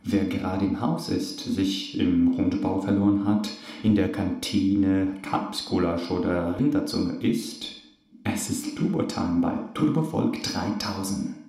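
A man's voice: sits low, a little slow, warm tone. A man playing a showy announcer who rallies people to a party in a public-address style. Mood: rallying. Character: showy announcer calling staff to a turbo-folk party. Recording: very echoey, reverberant announcement.

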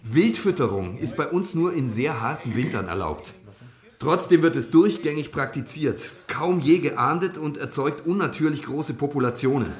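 An actor playing an environmental activist who lectures youth campers, explaining things in a wry, opinionated way. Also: male voice, a little high, animated, moderate pace, roomy sound, close to an everyday voice. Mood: critical, insistent. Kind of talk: radio crime drama, lecture to a group.

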